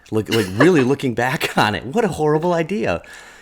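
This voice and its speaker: An animated, enthusiastic man with an Upper Midwest accent and lively intonation, on a very clean recording with a silent background. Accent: Upper Midwest (Wisconsin). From Wisconsin. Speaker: fly shop owner and fishing guide. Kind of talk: podcast interview, casual chat.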